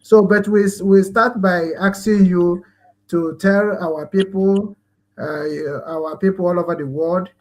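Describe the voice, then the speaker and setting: Earnest Igbo-accented man hosting, high voice. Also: fairly even intonation, unhurried, a little mellow. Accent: Nigerian Igbo. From Nigeria, Igbo land. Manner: rambling and earnest, many fillers and restarts. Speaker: host. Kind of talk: online talk show hosting.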